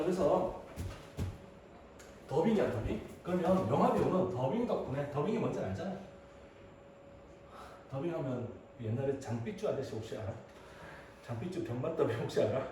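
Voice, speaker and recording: Guy in his 30s teaching a class, lively up-and-down voice, dark tone, sounds far off in a big echoey room. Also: a little high. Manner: chatty, joking asides, calls on students. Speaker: high school English teacher. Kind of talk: classroom lecture. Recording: echoey room, voice off-mic, faint hiss.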